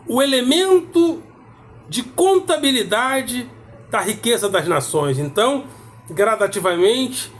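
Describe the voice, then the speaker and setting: A man lecturing on philosophy, measured and emphatic, repeating key words for weight. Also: extremely high pitch. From South America. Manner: measured, emphatic repetition with pauses. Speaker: philosophy teacher. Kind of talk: explanatory lecture.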